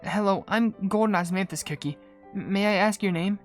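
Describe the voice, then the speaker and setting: A woman voicing a gentle, composed cookie perfumer in a video game, speaking politely and with measured care. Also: medium pitch, natural voice. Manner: soft-spoken, polite, measured. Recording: game music behind.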